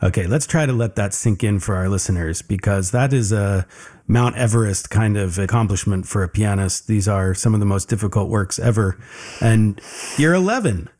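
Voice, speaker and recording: A man hosting a classical music show, interviewing a young performer in a gentle, encouraging and patient way. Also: fairly low pitch, moderate pace.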